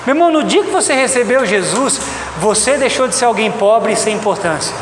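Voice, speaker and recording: A man's voice: high-pitched, animated, a little fast. A Brazilian man preaching a sermon, speaking emphatically and repeating his points as he addresses the congregation directly. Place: reverberant church hall. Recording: echoey hall, loud background noise.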